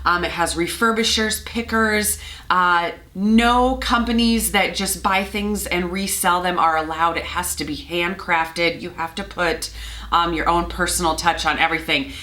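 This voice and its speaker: A middle-aged woman talks casually and a little scratchily, hoarse from a cold. Her tone stays bright and forward despite the rasp. She is chatty and organized, dotting her sentences with ums and uhs. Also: steady tone, a little slow. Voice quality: scratchy, slightly lower than usual. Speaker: flower farmer and vlogger. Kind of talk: casual vlog walkthrough.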